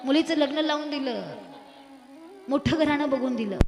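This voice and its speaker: A woman's voice: high-pitched, moderate pace, over music. A woman preacher telling a moral story in a devotional sermon, pleading with her listeners through rhetorical questions. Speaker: kirtan preacher.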